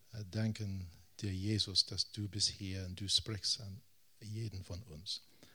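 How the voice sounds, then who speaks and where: A man with an English accent speaks very slowly, his fairly low voice held to a fairly even intonation. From London, England. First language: English (speaking German). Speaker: Baptist pastor, guest preacher. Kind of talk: prayer; sermon delivered through an interpreter.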